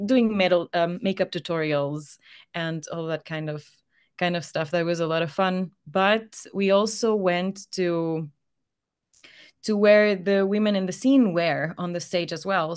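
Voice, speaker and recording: A woman whose first language is Spanish talks as a podcast guest in a casual, conversational way. Her voice sits a little low. She speaks into a studio microphone in a small room at home. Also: clean tone. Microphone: studio condenser mic on boom arm, headphones.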